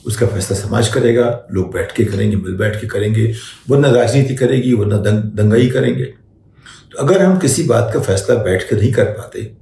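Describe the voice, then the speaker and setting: Older man, opinion host, dark mellow tone, deliberate delivery, rhetorical questions, faint background noise. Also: lowish voice, echoey room. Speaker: journalist and show host giving opinion. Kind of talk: spoken opinion commentary on current affairs.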